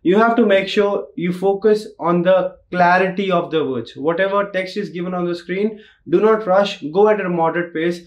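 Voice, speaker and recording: A man in his thirties with an Indian accent, tutoring test takers in a steady, reassuring way that repeats the key points, recorded in a small home studio. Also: sits high, normal speed, dull audio. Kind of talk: instructional talk to camera.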